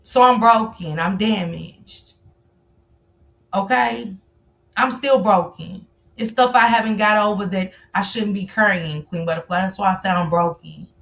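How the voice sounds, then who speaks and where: A woman's voice: mid-range voice, measured pace, gravelly, a bit bright. A woman, hosting a livestream and speaking candidly to viewers in casual, confessional chat. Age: 40s. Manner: candid, confessional, talks straight to viewers and calls them baby. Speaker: livestream host. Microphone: livestream mic.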